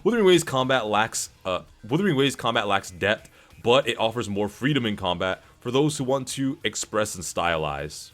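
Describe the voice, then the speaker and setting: A man streaming casual reaction commentary to viewers, animated and slangy, swearing freely. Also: fairly low pitch, moderate pace. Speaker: streamer reacting to game cutscenes.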